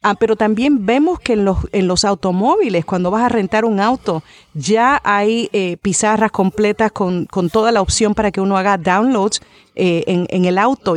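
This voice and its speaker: A woman's voice: medium pitch, no echo. Chatty woman guest, close and dry sound. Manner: chatty and friendly, bilingual, with many fillers. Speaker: podcast guest. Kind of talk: conversational podcast interview.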